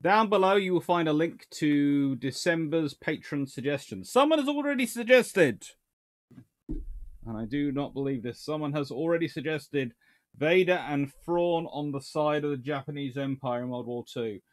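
A man's voice: fairly high pitch, moderate pace. A man in his thirties hosting a casual livestream from his home study, reading out viewer comments and rambling through answers with restarts. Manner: rambling, animated, with many restarts and fillers. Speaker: naval history livestream host. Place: small home study with shelves of books.

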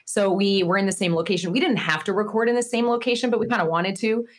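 A woman's voice: medium pitch, quick pace. A woman in her forties, a guest author in a podcast interview, talking in a chatty way with lots of fillers. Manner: chatty, with many fillers and restarts. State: slightly nasal from losing her voice.

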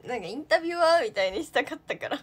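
An idol trainee livestreamer, a young woman, chats casually while answering viewer comments in a fairly high voice that swoops up and down. Talking at a racing pace, she's chatty and giggly, packed with fillers, and sounds relaxed and unscripted.

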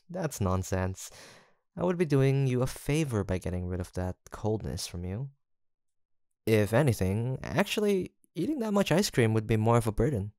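A man playing a gentle, teasing young college roommate in an intimate audio roleplay, with a soft-spoken, hesitant manner. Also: lowish voice, no echo, clean studio sound. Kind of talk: intimate boyfriend-style roleplay acting, one-sided conversation.

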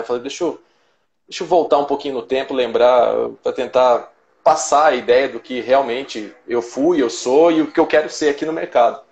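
A man's voice: medium pitch, darkish tone, roomy sound. A man in his forties telling his life story in a personal, reflective way, with many restarts. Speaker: guest trader. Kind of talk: casual storytelling.

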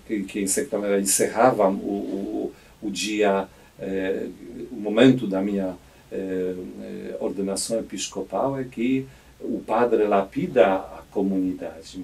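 A Polish auxiliary bishop in his fifties, speaking with a Polish accent, gives a radio studio interview into a studio mic on a boom arm, though he sounds far from it. His voice is fairly low, creaky, and darkish, and he's reflective and hesitant with many restarts.

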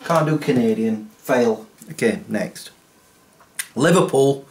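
A man, chatting casually to camera in a self-mocking, animated way from a small home office. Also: medium pitch, takes it slowly, poor audio. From England. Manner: self-mocking, animated, waves hands while talking. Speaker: YouTuber. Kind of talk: casual vlog chat to camera.

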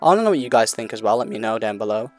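A man's voice: on the low side, animated, racing, a little mellow, faint music behind. A man giving unscripted, casual commentary on a video game in a rambling, hesitant way, often repeating himself.

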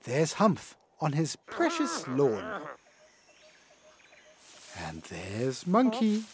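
An expressive narrator telling a children's cartoon story, reacting to the action with exclamations and questions. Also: medium pitch, drawn-out words, a crowd in the background. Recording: music behind the voice. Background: cartoon music.

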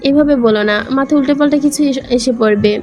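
A woman's voice: sits high, fast talker, a little mellow, lo-fi sound, faint music behind, lightly acted. A woman reading as a teasing, cocky young man. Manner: playful, teasing and bossy. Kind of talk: audiobook reading of a romance novel.

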